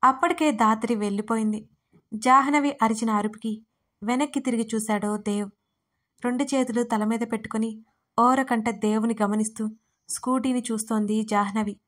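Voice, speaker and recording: A woman who writes and narrates her own audio stories, in a steady, expressive storytelling style. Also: on the high side, moderate pace.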